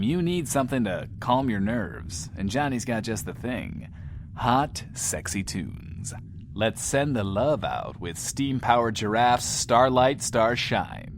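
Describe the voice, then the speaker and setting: A manic, lonely DJ broadcasting from a post-apocalyptic bunker in a comic radio drama. His theatrical, rambling delivery swoops widely in pitch, and he hosts like a showman talking about himself in the third person. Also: sing-song, a little slow, noisy background. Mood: conspiratorial, hyped. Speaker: radio show host.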